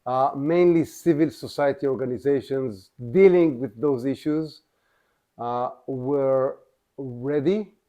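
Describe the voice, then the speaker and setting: A man representing a civil society organization, speaking on a panel in a measured way with frequent restarts. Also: medium pitch, muffled recording. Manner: measured, restarts sentences, many fillers. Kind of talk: panel discussion.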